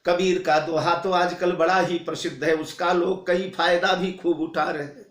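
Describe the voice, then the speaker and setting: A man's voice: sits high, fairly even intonation, normal speed, roomy sound. A man giving a Hindu scripture discourse, emphatic and chanting verses now and then. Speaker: religious storyteller.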